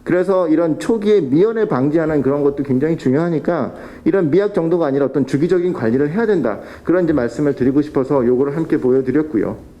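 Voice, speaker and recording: A man's voice: fairly high pitch, quick pace, dark tone. A man presenting at a policy forum, explaining technical methods with fillers and restarts. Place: council hall.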